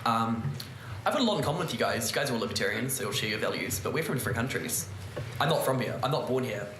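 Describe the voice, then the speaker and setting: A man's voice: mid-range voice, expressive, fast talker, fairly bright tone, a little hiss or hum. A man with a New Zealand accent opening a debate speech in a friendly, conversational way at a conference lectern. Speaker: debate speaker. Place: conference room. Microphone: lectern microphone. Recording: roomy conference hall echo.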